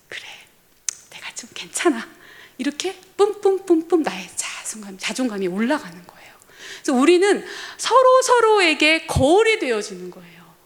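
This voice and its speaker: A woman preacher giving a sermon in a church, telling stories animatedly and speaking to the congregation. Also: sits high. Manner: animated storytelling with acted quotes, addressing the congregation.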